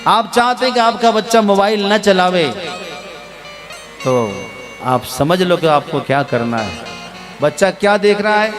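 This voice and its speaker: A man delivers a Hindu spiritual discourse at an unhurried pace, his voice sitting a little high. He slips into quoted dialogue between family members as he teaches, with clear guitar music playing behind him. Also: big pitch swings. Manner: preachy, acts out household dialogue. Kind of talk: religious discourse.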